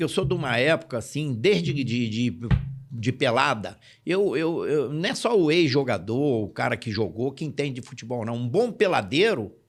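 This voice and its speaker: In a very clean recording with a silent background, a man talks with very wide pitch swings. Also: medium pitch for a man, moderate pace. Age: 70s. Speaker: retired footballer and coach. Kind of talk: interview. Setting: studio. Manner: halting, many repetitions.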